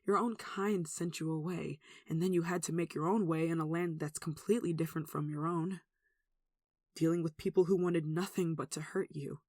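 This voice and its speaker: A performer playing a devout, tender human devoted to a demon in an ASMR roleplay, speaking softly and earnestly with emotion. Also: medium pitch, steady tone, normal speed, no room sound, clean studio sound, close to an everyday voice. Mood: tender, admiring. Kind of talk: ASMR roleplay, one-sided dramatic dialogue.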